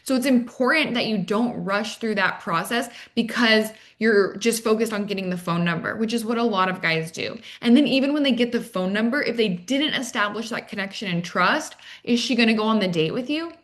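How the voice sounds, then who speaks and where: A woman's voice: on the high side, fairly quick, few pauses, a bit bright. A woman speaking as a coach and interview guest, explaining casually and acting out little quoted exchanges. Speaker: dating coach, podcast guest. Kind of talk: conversational advice and anecdotes.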